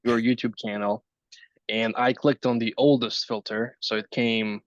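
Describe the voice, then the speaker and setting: Man, twenties, casual chat, teasing, halting starts, muffled lo-fi audio. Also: medium pitch, little pitch movement, no room sound. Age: 20s. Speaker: group participant.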